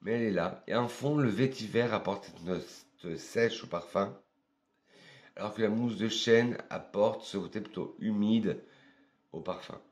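A man from France reviewing perfumes in a casual vlog, talking in an unhurried, hesitant way and thinking aloud with many pauses. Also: on the low side.

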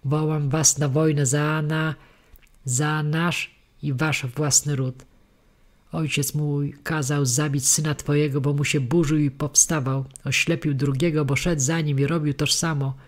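A man's voice: fairly high pitch, steady tone, a little slow. A man voicing a proud, demanding young male noble heir in an audiobook. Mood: shouting. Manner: haughty, demanding.

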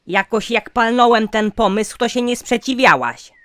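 A woman's voice: fairly high pitch, moderate pace, close to an everyday voice. A woman playing a hungry young fairy-tale boy in a cartoon, eager and argumentative. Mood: eager, defensive.

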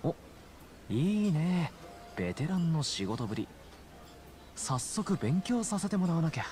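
An actor playing a friendly, boyish, easygoing detective in a video game drama, explaining things casually. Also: male voice, on the high side, big pitch swings, unhurried, warm tone, slight background noise. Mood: light, upbeat.

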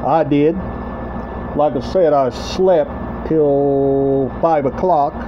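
A middle-aged man talking casually to camera as a vlog host, in halting short phrases with repetition, recorded indoors at home. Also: on the high side, steady tone. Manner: halting, short broken phrases, repeats himself. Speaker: host of a collection video channel. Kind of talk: casual rambling show-and-tell vlog. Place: small room at home, indoors. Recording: dull lo-fi webcam-like sound, clear background noise.

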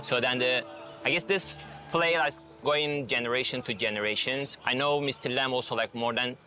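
A man's voice: medium pitch, moderate pace, bright, forceful tone, faint music behind. A man in his forties with a Turkish accent, casually explaining things in an interview. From Turkey. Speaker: restaurant owner interviewed for documentary.

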